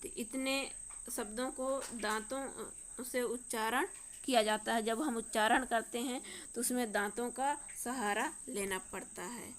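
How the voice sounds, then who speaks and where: A woman's voice: fairly high pitch, fairly even intonation, measured pace, a little hiss or hum. A woman teacher with a Madhya Pradesh Hindi accent, working through a worksheet and sounding out each letter one by one. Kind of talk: worksheet lesson walkthrough.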